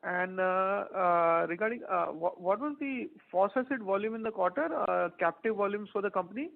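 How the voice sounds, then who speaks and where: A man with an Indian accent, an analyst putting halting, fragmented questions on an investor call by phone. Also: high-pitched, gravelly. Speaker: financial analyst asking questions. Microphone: telephone. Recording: tinny phone-line audio.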